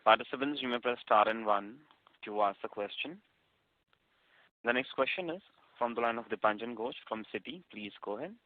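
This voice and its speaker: A man's voice: medium pitch, brisk, no echo. A man moderating an earnings call in a formal, procedural way. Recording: dry phone-line audio.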